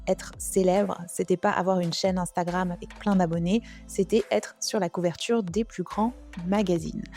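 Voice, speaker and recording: A woman's voice: lowish voice, mellow. A French woman hosting a true crime podcast, narrating a case in a casual, chatty way with asides.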